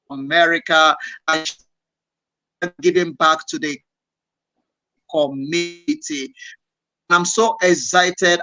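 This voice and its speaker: A male radio host with a South African accent and a bright, forceful voice sits close to a dry microphone. He talks with effusive enthusiasm and often repeats words as he praises his guest. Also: fairly high pitch, no room sound, poor audio. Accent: South African English. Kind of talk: live radio interview.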